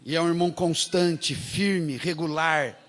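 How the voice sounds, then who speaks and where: A man preaching a sermon, telling stories and acting out the voices of the people in them, often dropping to a soft, low voice. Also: measured pace, big-room sound. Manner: storytelling, acts out quoted voices, often drops to a soft low voice.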